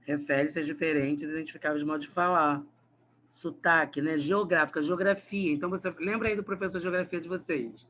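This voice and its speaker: A man's voice: fairly high pitch, fairly even intonation, a little fast, a bit bright, slight background noise. A man from Rio de Janeiro with a Carioca accent, a Portuguese teacher giving a chatty, teasing grammar lesson online. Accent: Carioca Brazilian Portuguese. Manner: chatty, teasing, talks straight to the students.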